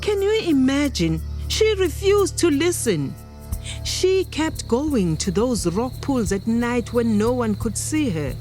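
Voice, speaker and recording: An actress playing a grave granddaughter of healers, telling her story in a measured, emphatic way. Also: a little high, very animated, a little mellow, faint music behind. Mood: indignant. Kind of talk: dramatic storytelling monologue.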